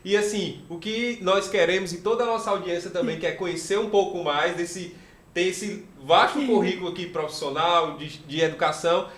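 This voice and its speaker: A man co-hosts a podcast with cheerful, exclamatory energy. His voice is high for a man, and the room around him sounds echoey. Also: normal speed, a bit bright. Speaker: podcast co-host. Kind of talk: casual podcast chat.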